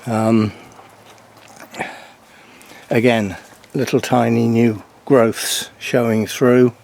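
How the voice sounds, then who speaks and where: An older man hosting a gardening channel, walking along a garden border and explaining plainly, with pauses. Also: mid-range voice, flat delivery, vocal fry, darkish tone. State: out of breath. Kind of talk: casual garden walk-through.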